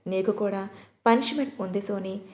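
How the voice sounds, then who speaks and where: A woman voicing a firm but caring young wife who lays down rules sternly and comforts her husband softly. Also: medium pitch, normal speed, a little hiss or hum, close to an everyday voice. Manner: stern, then soothing.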